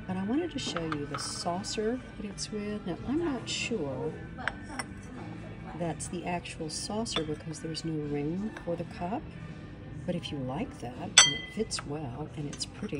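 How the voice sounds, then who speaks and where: A middle-aged woman hosting a vlog, explaining in a gentle, measured way, sounding nasal from a cold. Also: deep voice. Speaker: vlog host. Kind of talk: casual instructional vlog. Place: antique mall, indoors.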